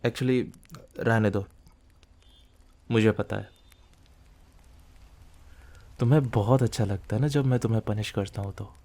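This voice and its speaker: A possessive mafia boss, acted out by a man in an intimate ASMR roleplay. His voice is low and very mellow, with a seductive, commanding murmur. He is dominant, teasing and obsessive toward his lover. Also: fairly even intonation, normal speed, lightly acted.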